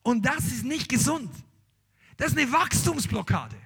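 A man preaching a sermon, reading scripture and then driving the point home to his congregation. His voice sits high and swings widely in pitch, with a husky grain. He preaches in an animated way. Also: measured pace. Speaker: pastor.

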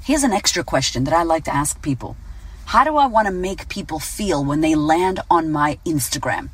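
A woman in her late thirties, a business coach giving a casual motivational talk, blunt and animated, swearing freely. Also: low-pitched, normal speed, husky. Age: 30s. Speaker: business coach and podcast host.

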